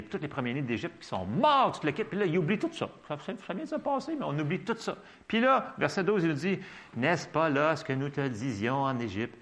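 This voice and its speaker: A man with a Québécois French accent preaching a sermon in a casual, emphatic way, sprinkling in English words. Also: medium pitch. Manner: animated, emphatic, colloquial, throws in English words.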